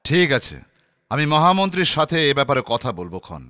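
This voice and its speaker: A man's voice: a little high, sing-song, quick pace, sharp tone. A man voicing a benevolent, indulgent maharaja in a cartoon, with a stately, considerate manner. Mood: agreeable, inquiring. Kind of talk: cartoon voice acting.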